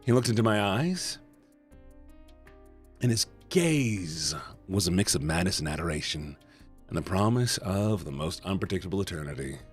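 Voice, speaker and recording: A man streaming a story game, reading the text aloud and chatting playfully with his viewers in an animated way. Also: low-pitched, moderate pace, soft background music. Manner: animated, playful, shouting at times. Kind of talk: reading a visual novel aloud to chat.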